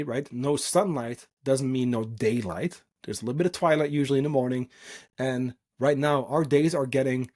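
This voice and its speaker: A man's voice: medium pitch, a little mellow, breathy edge. A man from the Netherlands, a native Dutch speaker, hosting a solo podcast and coaching in an informal, earnest, emphatic and unscripted way.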